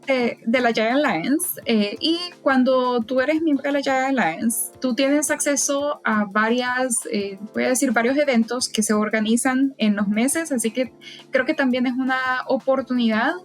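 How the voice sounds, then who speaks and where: Higher-voiced woman guest, hesitant speech. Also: normal speed, faint music behind. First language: Spanish. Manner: hesitant, many "eh" fillers and restarts. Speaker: podcast guest, event volunteer. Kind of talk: casual interview advice.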